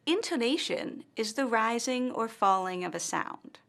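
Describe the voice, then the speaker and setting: A woman narrating a scripted language lesson, speaking slowly and carefully with clearly marked stress and pauses. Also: a little high, expressive, a bit bright. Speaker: language teacher.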